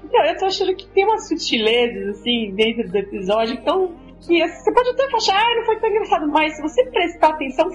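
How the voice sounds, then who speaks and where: A woman co-hosting a casual chat show, excitable and laughing often, acting out the lines she retells. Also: high-pitched, fast, few pauses, soft background music, rough recording. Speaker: podcast co-host.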